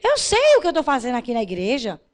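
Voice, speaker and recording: A woman pastor preaching a sermon, swinging between loud emphatic declarations and soft, intimate lines as she addresses the congregation directly. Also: high voice, huge pitch swings, quick pace.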